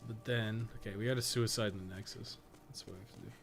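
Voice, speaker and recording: A man's voice: lowish voice, steady tone, quick pace, vocal fry, fairly bright tone. A man giving casual, rambling live-stream game commentary, swearing and joking with his chat as he plays.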